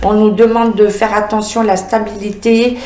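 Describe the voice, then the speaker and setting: A woman's voice: mid-range voice, little pitch movement, mellow. Woman medium reading cards in an echoey room. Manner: halting, many filler sounds, talks to the cards. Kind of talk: spoken card reading with visions.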